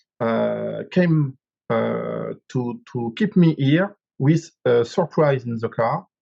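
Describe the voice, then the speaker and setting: A man with a fairly high pitch speaks in a French accent with ordinary pitch variation. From France. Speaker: miniature painter. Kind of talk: interview. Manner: halting.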